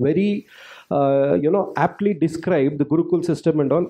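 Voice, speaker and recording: Fairly quick and lively in intonation, a man talks at a high pitch. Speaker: audience member. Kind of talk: question to a teacher.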